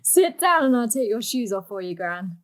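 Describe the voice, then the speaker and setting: High-voiced, proud young granddaughter. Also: female voice, very animated, normal speed. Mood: caring. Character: proud, literal-minded, caring young granddaughter.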